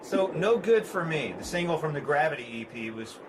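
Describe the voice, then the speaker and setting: A man's voice: fairly high pitch, sing-song, a little fast, background noise. A man hosting a radio show, talking enthusiastically as he promotes his guest. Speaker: radio host. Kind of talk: radio talk show chat.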